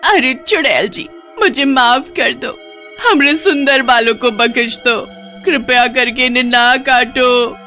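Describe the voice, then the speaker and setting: A woman's voice: high voice, slow pace, bright, forceful tone, faint music behind, voice pushed up, heavily acted. A woman voicing a dramatic, wailing village woman in a cartoon, pleading and complaining. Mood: panicked.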